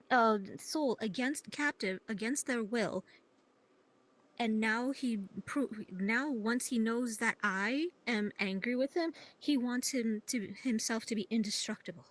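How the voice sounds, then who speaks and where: A woman acting as a fantasy graveyard keeper with a somewhat high voice. She talks in character in improvised online roleplay, as one of the townsfolk. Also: rough recording.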